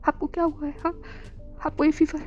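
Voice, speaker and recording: A desperate young man in a storybook romance, begging in soft, broken whispers, as a woman reads him. The voice sits fairly high for a man, and faint music plays underneath. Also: flat delivery, fairly quick, highs cut off, close to an everyday voice. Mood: hurt. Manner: pleading, whispering and sobbing. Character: young man, anxious, clinging, tearful lover. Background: faint background music.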